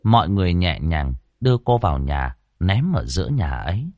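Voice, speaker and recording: A man narrating a ghost story in a colloquial, expressive way. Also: low-pitched, normal speed, no echo, studio quality.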